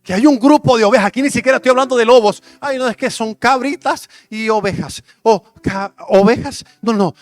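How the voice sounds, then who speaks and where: High-voiced male pastor, impassioned sermon, dry close mic, faint music bed. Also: brisk, hardly any pauses, no room sound. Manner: impassioned preaching, swinging from loud declarations to hushed prayerful asides.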